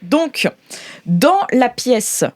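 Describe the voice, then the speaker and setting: A woman hosting as game master, improvising tabletop game narration in a halting, amused way. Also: fairly high pitch, big pitch swings, a little mellow, no echo, clean studio sound.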